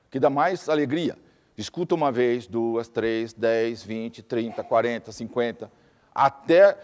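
A man lectures to a class, laying out his points in lists and repeating examples. His voice sits at an ordinary middle pitch for a man. The sound carries a long reverb, as in a hall. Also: darkish tone. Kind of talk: teaching lecture.

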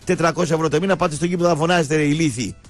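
A man with a slightly raised pitch trades blunt, sarcastic jabs about football. He reels off lists of names with short verdicts. Faint music sits in the background. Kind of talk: heated casual football chat.

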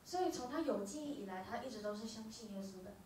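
A woman interpreting a live talk, rattling along at a fast clip and catching herself with little hesitations. Her voice sits a bit high. She is picked up from a distance in a very echoey club room with faint noise behind her. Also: animated, dark tone. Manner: quick, with filler hesitations. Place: small dark music venue. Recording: roomy venue, from far off.

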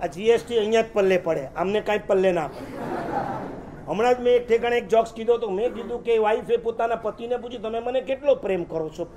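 A man preaches a sermon in a strikingly high voice. He moves between wry jokes and recited verses and poetry, in the manner of a Jain preacher. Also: fast talker, mellow, slight background noise.

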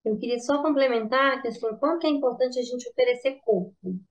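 A woman with a fairly high voice and a Brazilian Portuguese accent gives parenting advice in a discussion circle. She speaks earnestly and stresses her points by repeating them. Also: quick pace, lo-fi sound. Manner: earnest, emphatic repetition. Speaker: panelist on parenting.

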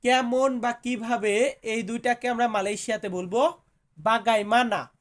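Slow, deliberate Bengali language teacher man. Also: extremely high pitch, steady tone. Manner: repeats each word and its meaning deliberately. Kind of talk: slow vocabulary lesson.

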